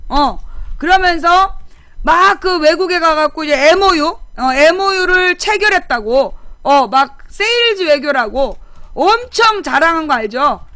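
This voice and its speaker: A woman's voice: very high voice, expressive, a little slow, a bit bright, dry recording. A woman hosting a casual political live-stream, talking bluntly and sarcastically as she scolds commenters. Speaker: political talk show streamer.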